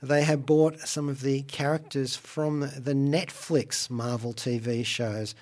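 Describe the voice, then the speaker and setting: A man hosting a radio show, chatting about pop culture in a wry, playful way with theatrical asides and deliberate phrasing. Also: mid-range voice, fairly even intonation, a little mellow. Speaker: radio show host and reviewer. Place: radio studio.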